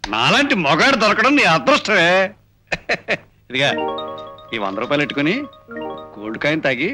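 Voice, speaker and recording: Film comedy: a lecherous village priest. Bragging, high-pitched, lively swings. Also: male voice, moderate pace, over music. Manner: bragging, then whining in fright.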